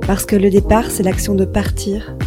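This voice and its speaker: A woman's voice: medium pitch, flat delivery, normal speed, over music. A young woman from Wallonia, talking informally and spontaneously as the host of a solo podcast. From Wallonia, Belgium. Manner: informal, conversational, unscripted.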